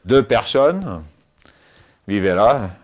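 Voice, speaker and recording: Older man, low voice, halting cave tour. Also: very animated, a little mellow. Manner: hesitant, many fillers and restarts. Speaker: cave home owner giving a tour. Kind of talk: casual spoken house tour. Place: inside stone cave rooms and outdoors by cliffs.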